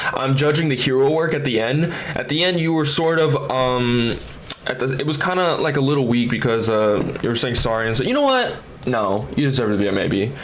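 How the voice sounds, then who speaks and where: A man's animated voice with ordinary pitch variation and very even loudness, amid audible room echo and noticeable background noise. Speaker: YouTuber ranking his own video series. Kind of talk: casual tier list commentary. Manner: stuttering.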